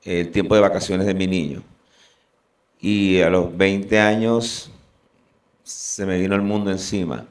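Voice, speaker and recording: A man from Venezuela giving an earnest, halting personal testimony as a guest. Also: low-pitched, flat delivery, distant mic.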